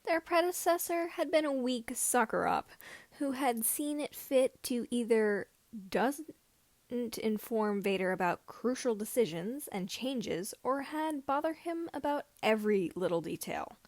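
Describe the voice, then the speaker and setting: Higher-voiced woman narrating, slightly halting. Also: expressive, no room sound. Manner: somewhat halting phrasing. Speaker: amateur audiobook reader of fan fiction. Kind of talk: scripted story narration.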